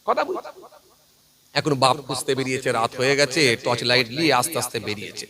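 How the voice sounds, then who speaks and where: A man with a West Bengal Bengali accent preaching a sermon as a lively story, often checking whether his audience follows. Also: mid-range voice, a little fast. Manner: animated, keeps asking the crowd if they follow. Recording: preacher before a live crowd. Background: crowd.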